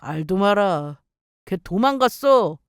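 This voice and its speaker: A woman's voice: mid-range voice, animated, slow pace, clean tone, dry recording, studio quality. A woman voicing a clingy, self-pitying ex-husband in a dramatized story reading, pleading and whining. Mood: complaining. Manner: whiny, pleading.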